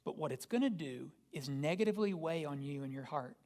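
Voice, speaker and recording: A man's voice: a little high, lively intonation, fairly quick, darkish tone. A man, a pastor, giving a conversational sermon and asking the congregation rhetorical questions. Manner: casual, asks the listeners rhetorical questions.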